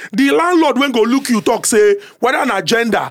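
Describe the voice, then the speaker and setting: The speech moves at a very fast pace with very wide pitch swings. Noticeable background noise sits underneath. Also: man. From Nigeria. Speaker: podcast host. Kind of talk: casual panel discussion. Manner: animated.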